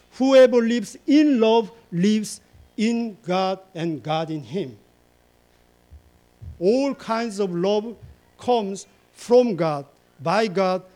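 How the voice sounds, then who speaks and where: A man preaching a sermon slowly, repeating words and phrases for emphasis and stringing long lists together. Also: sits high, darkish tone. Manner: fillers and restarts, lists in long chains. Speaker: pastor.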